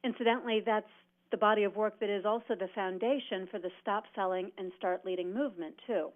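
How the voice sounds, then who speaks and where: A woman's voice: medium pitch, brisk. A woman giving an instructional sales presentation in a motivational, emphatic way, delivering her points phrase by phrase. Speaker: sales trainer presenting cold calling tips. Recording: dull, band-limited audio.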